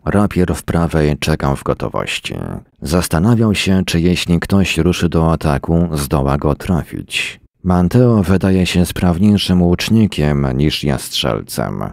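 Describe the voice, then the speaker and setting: A man reading a short story aloud in a measured, dramatic way. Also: extremely low pitch, vocal fry, a little mellow, dry recording, clean studio sound. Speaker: reader. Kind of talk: scripted narration of a short story.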